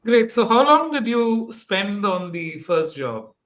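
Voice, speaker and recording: A podcast host interviewing a guest, mostly giving short acknowledgements and asking measured questions. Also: mid-range voice, sing-song, a bit bright, dull audio.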